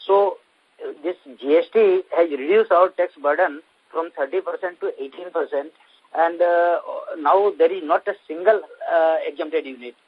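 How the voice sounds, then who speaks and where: A man with an Indian accent, a company executive, giving a halting explanation on an investor conference call. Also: on the high side, breathy edge. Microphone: conference call phone line. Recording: dull, lo-fi conference phone line.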